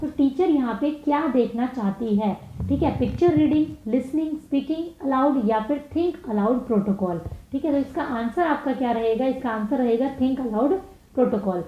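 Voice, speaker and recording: A woman's voice: high voice, slight background noise. Echoey Indian woman teacher explaining. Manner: reads English slowly, explains fast in Hindi. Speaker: exam prep teacher. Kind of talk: explaining test questions. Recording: echoey dull room sound.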